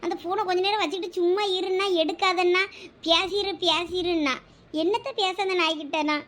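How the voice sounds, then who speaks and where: A woman plays a college girl with a Thoothukudi Tamil accent in a cartoon. Her voice is very high and squeaky, and she frets and scolds her friend nonstop. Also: fairly even intonation, moderate pace, a bit bright. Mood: panicked, scolding. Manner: fretful, scolding, exclaiming. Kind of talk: cartoon voice acting.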